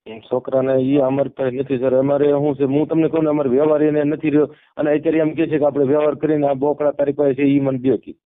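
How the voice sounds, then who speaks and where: A man's voice: on the high side, flat delivery, fast. A man with a Saurashtra Gujarati accent talking informally as a caller, deferential and often repeating himself. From Amreli district, Gujarat, India. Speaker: caller seeking help. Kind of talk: informal phone conversation. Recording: narrowband phone call audio.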